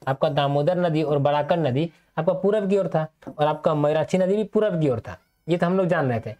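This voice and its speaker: A man's voice: a little high, animated, moderate pace, mellow. A male teacher giving an exam-prep lecture, asking and answering his own questions and repeating key points so students remember them.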